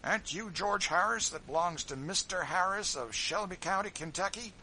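A man reading an audiobook, voicing a coarse, bullying male slave catcher with loud, rough rustic speech. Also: high voice, normal speed, slight background noise, voice pushed up.

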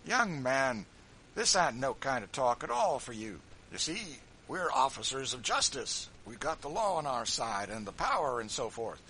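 A man's voice: mid-range voice, big pitch swings, normal speed, pushed and bright, a little hiss or hum, voice pushed up. A man reading an audiobook, voicing a short, puffy, pompous constable with a patronizing manner.

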